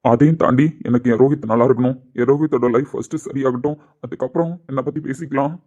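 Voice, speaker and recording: A man playing Sanjay, a brash, gruff young man who hides his love, in a web drama. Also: medium pitch, steady tone, quick pace, dark tone, lightly acted. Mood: earnest. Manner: gruff, blunt, hot-tempered. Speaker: actor in a web series. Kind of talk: dramatic dialogue. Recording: dull lo-fi recording.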